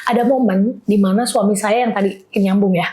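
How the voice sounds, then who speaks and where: A woman giving an emotional testimony in an interview, telling her story with lively, acted-out bursts of her own shouted prayers. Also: medium pitch, a little fast, echoey room. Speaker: guest sharing testimony.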